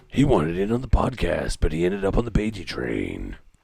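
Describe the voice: Putting on a character voice, a man delivers his lines at a fairly quick pace in a fairly low pitch with a dramatic, intense tone.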